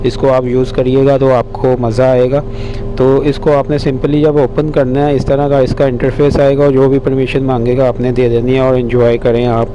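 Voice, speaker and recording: Flat-toned man over loud humming noise. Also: poor audio. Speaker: host of a tech tutorial channel. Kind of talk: casual how-to screen-recording narration. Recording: loud steady hum and rumble.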